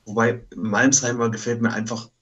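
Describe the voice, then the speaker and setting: A man's voice: mid-range voice, level tone, moderate pace, a bit bright, highs cut off. A man talking casually as one of the panelists on a podcast. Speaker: podcast panelist reviewing audio dramas. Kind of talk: casual chat.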